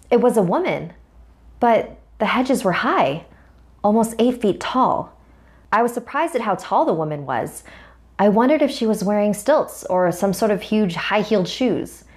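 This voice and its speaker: A young woman telling a scary first-person story in a measured, suspenseful way, narrating over a music bed. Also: mid-range voice.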